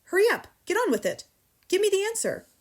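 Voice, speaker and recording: A woman's voice: fairly high pitch, lively intonation, normal speed. A woman voicing a huge, tyrannical headmistress in a storybook, bellowing contemptuous insults with explosive temper. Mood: impatient, bullying. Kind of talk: storybook character reading.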